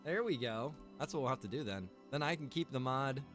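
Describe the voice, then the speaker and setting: A man's voice: medium pitch, expressive, brisk, a bit bright, soft background music. A man live streaming a game, talking casually to viewers and thinking aloud in an informal, chatty way.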